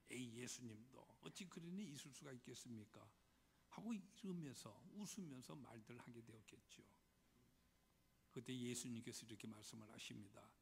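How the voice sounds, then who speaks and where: A male pastor delivering a Sunday sermon in a church, telling stories and posing rhetorical questions to the congregation. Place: church sanctuary. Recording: reverberant hall with faint low rumble.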